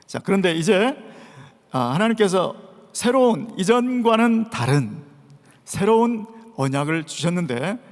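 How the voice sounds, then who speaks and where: Man, pastor, sermon, high pitched, rhetorical questions, long church-hall reverb. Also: sing-song, unhurried. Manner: preaching with rhetorical questions and dramatized shouts. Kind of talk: Sunday sermon. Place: church sanctuary.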